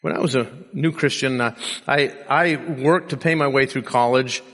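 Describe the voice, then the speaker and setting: A man's voice: mid-range voice, moderate pace, a bit bright, big-room sound. A man preaching a sermon and telling personal stories with self-deprecating humor, saying he is sleep deprived. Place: church.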